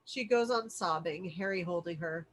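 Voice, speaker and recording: A woman's voice: fairly low pitch, moderate pace. A woman narrating the stage directions of a film script expressively at a virtual table read.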